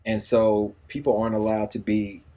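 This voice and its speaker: A man's voice: fairly low pitch, level tone, moderate pace, warm tone. A man in his forties talking casually in an interview, easygoing and rambling, often saying "you know what I mean.". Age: 40s. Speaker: radio personality and new father.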